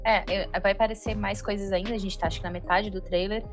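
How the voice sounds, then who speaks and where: A woman's voice: medium pitch, steady tone, fast, music in the background. A woman with a Brazilian accent, co-hosting with casual, analytical reaction commentary. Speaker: reaction show co-host.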